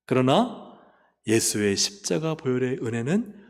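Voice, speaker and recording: A man preaching a sermon as pastor, impassioned, swinging from loud high cries down to near whispers. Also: sing-song, a little slow, long reverb tail. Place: church sanctuary.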